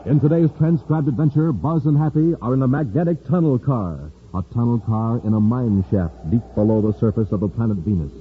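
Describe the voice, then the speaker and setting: A man's voice: medium pitch, expressive, brisk, hardly any pauses, phone-quality sound. A male announcer in a 1950s radio serial, narrating and selling cereal with showy emphasis. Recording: hissy old radio transcription.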